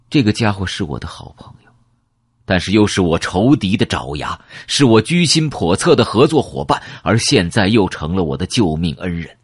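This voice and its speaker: A man's voice: deep voice, slightly rough, dry recording, clean studio sound. A man narrating a first-person audiobook with dramatic storytelling.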